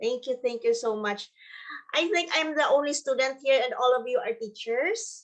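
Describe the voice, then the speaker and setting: A woman with a Filipino accent, high-pitched, at a moderate pace. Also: lively intonation. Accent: Filipino accent, non-native English. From Philippines. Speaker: yoga student. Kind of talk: casual chat. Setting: video call.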